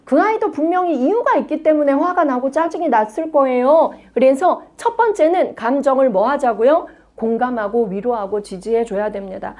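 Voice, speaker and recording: High-voiced woman lecturing on parenting. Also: normal speed, hardly any pauses. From South Korea. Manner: addresses the audience directly with frequent "네" and questions; acts out parent lines in a lively higher voice. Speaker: counseling psychology lecturer. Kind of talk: lecture on parenting and emotion coaching.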